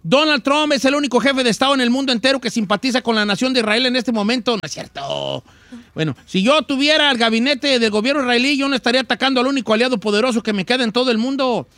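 Mexican guy doing jokey news, bright voice, dry close sound. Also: extremely high pitch, fast talker, no room sound. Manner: joking, slangy, stumbling restarts. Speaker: news show host. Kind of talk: comic news chat.

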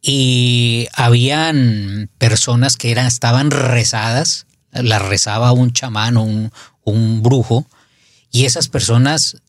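A middle-aged man, a spiritual advisor, talking casually on radio with halting restarts. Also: mid-range voice, no room sound.

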